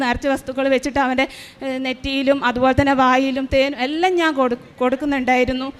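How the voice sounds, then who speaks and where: A mother giving an earnest, tearful church testimony, retelling her story with slow pauses. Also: high-pitched. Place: large shrine hall. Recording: long reverb of a large hall.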